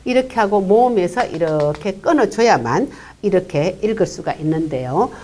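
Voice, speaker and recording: A woman teaching English pronunciation in a lecture, explaining unhurriedly with many "uh" fillers and quietly voicing single consonant sounds. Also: mid-range voice, lively intonation, moderate pace, slight background noise. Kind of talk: classroom-style pronunciation lecture.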